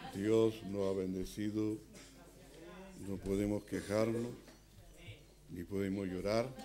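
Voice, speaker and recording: There is light background noise as a man speaks at a fairly slow pace in a monotone with flat intonation. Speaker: pastor. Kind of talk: sermon. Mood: earnest, reflective. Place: church. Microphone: podium.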